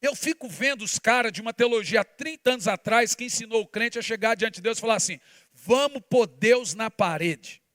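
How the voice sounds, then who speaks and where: A man, preaching a sermon as pastor, shifting between forceful shouts and hushed asides. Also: extremely high pitch, fast, hardly any pauses, no room sound, clean studio sound.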